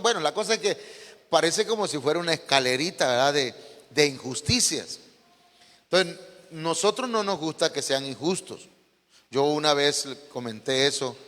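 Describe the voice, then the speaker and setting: A man's voice: a little high, fairly bright tone, big-room sound. A man preaching a sermon, telling stories and putting rhetorical questions to the congregation. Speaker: pastor.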